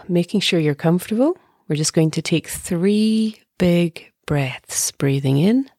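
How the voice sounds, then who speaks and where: A middle-aged woman leading a guided meditation as a teacher, speaking softly and breathily in a calm, gentle way with long pauses. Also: lowish voice, dry recording, studio quality. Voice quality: soft, breathy.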